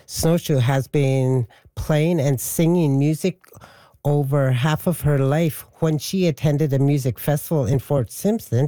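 A man introducing a story as a radio host, in a measured, scripted announcer delivery. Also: medium pitch, mellow, no room sound, clean studio sound.

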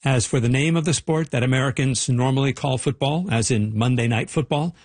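Gravelly, husky male radio reporter. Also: mid-range voice, fairly quick, a little mellow, dry recording. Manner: wry, playful narration.

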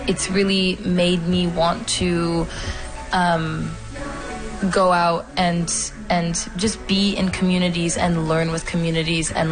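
A woman's voice: fairly low pitch, low-quality recording. 21-year-old woman from Morocco, music underneath. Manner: casual, frequent "like" fillers. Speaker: university student. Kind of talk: interview answers.

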